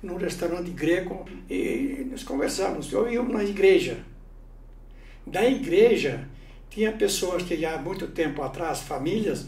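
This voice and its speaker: A man with a high-pitched voice speaks at a fairly slow pace, with lively intonation and long, frequent pauses. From Greece. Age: 80s+. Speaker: immigrant, former factory manager. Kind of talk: interview answer.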